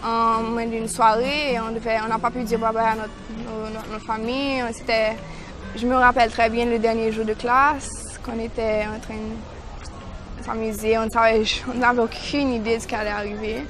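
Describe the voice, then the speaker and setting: A young woman from Haiti talks about her past in a casual, halting way, with restarts and the odd English phrase. Her voice sits a little high. Clear music plays behind her. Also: little pitch movement. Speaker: interviewee. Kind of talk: casual personal account.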